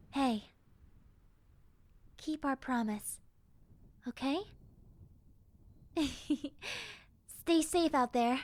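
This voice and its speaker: Woman voicing a slow, sweet, high-pitched zombie girl. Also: dry recording. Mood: timid, fond. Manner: soft, hesitant, sighing, childlike sincerity. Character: friendly, gentle, wistful young zombie girl survivor. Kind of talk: roleplay audio drama monologue.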